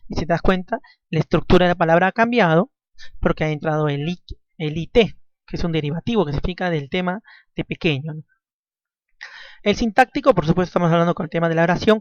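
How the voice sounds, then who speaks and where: A man's voice: high voice, no echo. Male teacher, dull dry recording. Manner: ends nearly every phrase with a questioning tag; repeats key points and restarts words. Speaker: language teacher. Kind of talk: classroom lecture.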